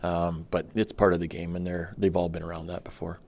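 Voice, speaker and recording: A middle-aged man answering reporters' questions at a post-game press conference as a hockey head coach, measured and matter-of-fact with frequent ums, speaking into a table microphone. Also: low-pitched, flat delivery, creaky, a little mellow, slight background noise. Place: press room in front of a sponsor backdrop. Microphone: table microphone on a stand.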